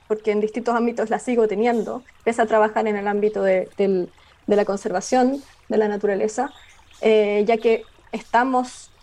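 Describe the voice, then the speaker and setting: Mellow-voiced Chilean woman, halting. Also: on the high side. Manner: thoughtful, halting with many fillers and restarts. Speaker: biologist guest. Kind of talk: radio interview conversation.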